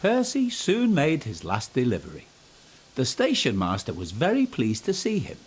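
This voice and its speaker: A man narrating a scripted children's story in an animated, expressive manner. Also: mid-range voice, normal speed, husky.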